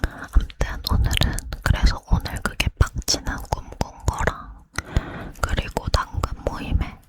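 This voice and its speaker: A hushed whispered role-play of a woman acting a boy-crazy young woman getting ready to go out. She leans in to whisper very slowly and breathily, chatty and determined in an intimate ASMR delivery. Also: natural voice. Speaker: ASMR creator.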